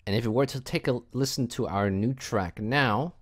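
A man hosting a software tutorial, narrating casually and giving informal step-by-step instructions. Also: mid-range voice, normal speed. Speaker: tutorial host. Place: indoors, voice-over for screen recording.

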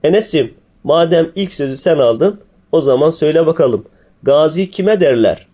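A man's voice: fairly high pitch, expressive, moderate pace, mellow. A man voicing a kindly, curious school teacher in a comic cartoon, asking leading questions fondly. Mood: teaching. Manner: addresses pupils fondly, asks leading questions. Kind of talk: scripted comic cartoon dialogue.

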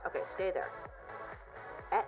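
A woman playing a caring, worried best friend in an audio roleplay, speaking in an earnest, soothing, gently insistent way. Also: unhurried, over music, lightly acted, low-quality recording. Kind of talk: roleplay audio drama monologue, intimate comforting.

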